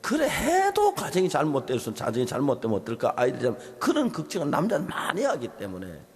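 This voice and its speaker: A male pastor preaching at a Bible seminar, telling stories and acting out conversations, swinging from loud outbursts to soft whispers. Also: on the high side, huge pitch swings, fast talker.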